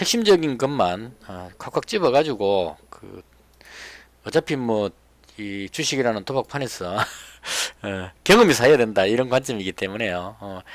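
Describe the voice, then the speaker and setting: Over a very clean recording with a silent background, a man speaks at a medium pitch with long, frequent pauses and big swings in loudness. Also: lively intonation, fairly slow pace. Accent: slight Gyeongsang. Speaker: stock market YouTuber. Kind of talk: unscripted market commentary. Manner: hesitant fillers.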